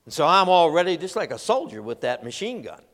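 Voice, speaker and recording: Animated preacher in a hall. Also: male voice, a little high, fairly quick. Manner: animated storyteller, acts out voices and laughs. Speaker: preacher telling a story. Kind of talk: humorous sermon illustration.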